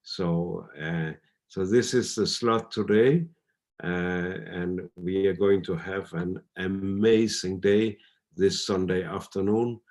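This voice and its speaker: Slow-talking man hosting a live stream. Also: low voice. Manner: excited cheerleading, calls for cheers. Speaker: host. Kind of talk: hyped live-stream introduction.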